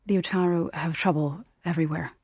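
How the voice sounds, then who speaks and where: A solemn tribal grave singer from a video game, with a low, husky voice. She is gentle and earnest, choosing formal words with care. The sound is dry and close. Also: fairly even intonation, no echo. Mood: solemn, sorrowful. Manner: measured, earnest, formal phrasing. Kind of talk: video game character dialogue.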